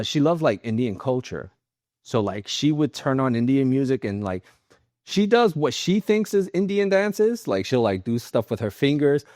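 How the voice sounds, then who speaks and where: A man talking informally on a podcast panel, halting now and then as he gathers his thoughts. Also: medium pitch, dry recording, clean studio sound. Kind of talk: casual panel discussion with personal anecdotes.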